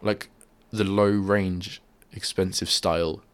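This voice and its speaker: Male host, deep and congested with a cold, rambling chat in a dry little studio. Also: little pitch movement, slow pace, a bit bright, no room sound. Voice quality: bunged-up, nasal. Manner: rambling, chatty, self-deprecating. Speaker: radio host. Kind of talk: casual solo radio chat. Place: small radio studio. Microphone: studio microphone.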